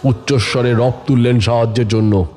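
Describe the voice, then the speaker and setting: A man's voice: mid-range voice, steady tone, moderate pace, mellow, lightly acted. A man playing a tantric holy man, solemnly narrating his uncanny adventures in a dramatic first-person horror story. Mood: solemn, suspenseful. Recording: music bed under the voice. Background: dramatic music.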